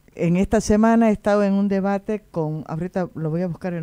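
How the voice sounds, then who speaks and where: A woman's dark, mellow voice, dry and close with no echo, at a fairly quick pace with ordinary pitch variation. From Santa Cruz, eastern Bolivia. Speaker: radio host, journalist. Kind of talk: interview.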